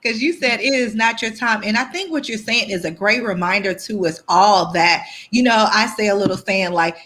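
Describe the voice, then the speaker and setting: A woman hosts a conversational podcast interview. Her voice is bright and forceful, pitched around the middle for a woman. She talks in emphatic, motivational bursts with short punchy phrases. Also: normal speed. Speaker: podcast host.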